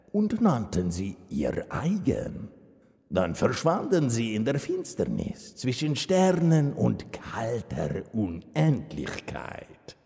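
An actor playing an ominous narrator who warns of ancient gods in a dramatic horror audio drama prologue, with a gravelly voice. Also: male voice, deep voice, a little mellow, full character voice. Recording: long cavernous reverb.

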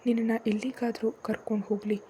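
A woman reading a tender young lover, hushed. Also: a little high, little pitch movement, fast, slight background noise, lightly acted.

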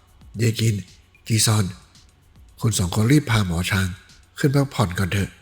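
Charming, courteous young lecturer, smooth and apologetic, voiced by the narrator. Storybook audio. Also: male voice, on the low side, lively intonation, moderate pace, faint music behind, natural voice. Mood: polite. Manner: polite, apologetic, smooth-talking. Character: charming young Thai man, polite lecturer.

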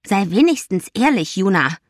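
A woman voicing an angry, self-righteous ten-year-old boy who speaks in a loud, accusing voice. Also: medium pitch, sing-song, normal speed, dry recording, clean studio sound. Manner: indignant, raised voice.

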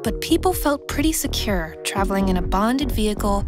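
A woman narrating an audio drama in a measured, theatrical, scripted storytelling style. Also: medium pitch, lively intonation, over music.

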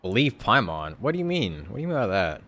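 Lively, rambling man streaming a game. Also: fairly low pitch, noisy background. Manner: rambling, halting, conversational. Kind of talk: casual live-stream commentary with reading aloud.

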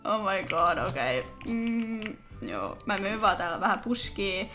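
A young woman with a Finnish accent, chatting excitedly to viewers while playing a life-sim game. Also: mid-range voice, faint music behind. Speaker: let's play host. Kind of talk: casual gameplay commentary.

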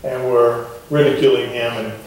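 A middle-aged man preaching a sermon to his congregation in a wooden church, talking in a relaxed, conversational way and asking the pews questions. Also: medium pitch, normal speed. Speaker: pastor. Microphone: far camera at the back of the church. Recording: echoey church heard from far off.

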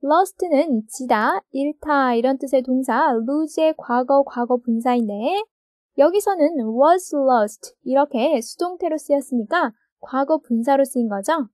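A woman's voice: high voice, takes it slowly, a little mellow, no room sound, clean studio sound. A woman teaching English grammar and pronunciation in a recorded video lesson, explaining step by step and checking understanding with rhetorical questions.

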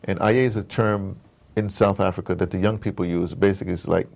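A man's voice: sits low, steady tone, a little fast, vocal fry, a little mellow. A man being interviewed, speaking in an emphatic, digressive way and repeating phrases to drive them home. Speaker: interviewee, audio drama producer. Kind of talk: animated interview conversation.

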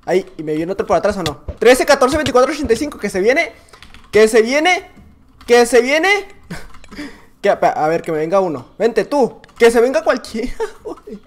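Excitable Mexican gamer man, slangy. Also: very high voice, moderate pace. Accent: Mexican Spanish. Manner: excitable, slangy, often shouts and laughs. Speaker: gaming YouTuber. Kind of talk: casual gameplay commentary.

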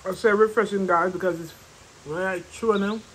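Guy with a high voice chewing while he talks, chatty, calling everyone guys, faint outdoor noise. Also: steady tone, a little fast, fairly bright tone. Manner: chatty, addresses viewers as guys. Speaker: vlogger. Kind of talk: casual mukbang chat to camera.

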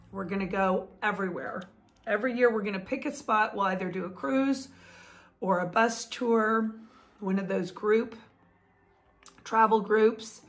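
A woman in her fifties talking casually to camera at home, chatty and enthusiastic, gesturing with her hands as she talks. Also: on the high side. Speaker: vlogger and author. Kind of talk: casual talking-head vlog. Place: home room, indoors. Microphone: phone or webcam close up.

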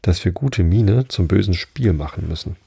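A self-satisfied duchess who turns every remark into a moral, read by a man in a deep voice. She comes across as gravelly and dark-toned. The delivery is preachy and storybook-like. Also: expressive, moderate pace, dry recording, clean studio sound, exaggerated voice. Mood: smug. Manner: preachy, spins out tangled morals. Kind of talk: storybook reading.

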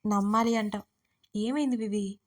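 A woman's voice: medium pitch, steady tone, moderate pace, lightly acted. A woman voicing a bold, blunt young female friend in an audio story, talking in a teasing, direct way. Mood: concerned.

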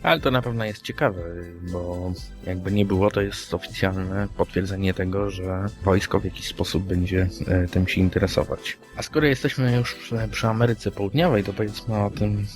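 A man with a low-pitched voice discusses news as a podcast co-host. His delivery is conversational and a little halting, with hesitations between phrases. Soft music plays faintly behind him.

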